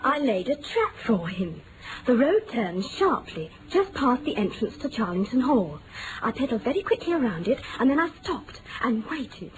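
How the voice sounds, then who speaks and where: A woman's voice: fairly high pitch, big pitch swings, moderate pace. An actress playing a genteel, anxious young Englishwoman in a vintage radio drama, telling things with hesitant, dramatic phrasing. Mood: determined, dramatic. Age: young adult. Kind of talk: 1940s radio drama acting. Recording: noisy vintage radio broadcast.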